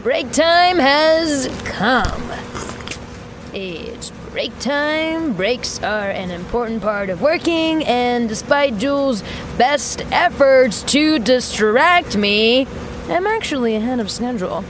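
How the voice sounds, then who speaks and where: A self-assured genius mechanic in a sci-fi audio drama. She takes her time, wry and casually sweary, as if logging her own thoughts. A clear noisy rumble sits behind her voice. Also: lively intonation, takes it slowly. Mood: defensive, wry. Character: brash, self-assured young genius woman mechanic building a rocket. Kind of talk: audio drama monologue as spoken recording.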